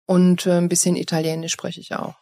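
A woman's voice: lowish voice, monotone, a little fast, vocal fry, mellow. A woman from Eupen in Belgium with an East Belgian German accent, a guest talking openly and reflectively in an interview, often restarting her sentences. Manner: frank, reflective, with many restarts. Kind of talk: personal interview conversation. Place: Cologne.

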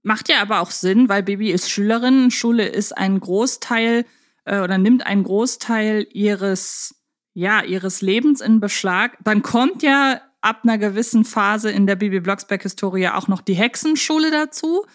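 A woman's voice: mid-range voice, normal speed. Woman hosting a casual podcast. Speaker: podcast host. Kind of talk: casual humorous podcast chat.

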